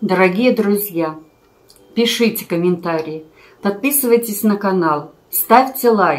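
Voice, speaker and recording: A woman's lively intonation at a very slow pace, broken by long, frequent pauses. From Latvia. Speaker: YouTuber. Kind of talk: vlog. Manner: warm and chatty. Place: home room. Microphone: webcam.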